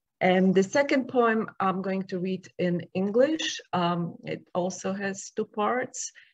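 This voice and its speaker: In a quiet setting, a woman with a medium pitch speaks at a very slow pace with lively intonation. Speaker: poet. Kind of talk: reading aloud. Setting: video call. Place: home room. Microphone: video call.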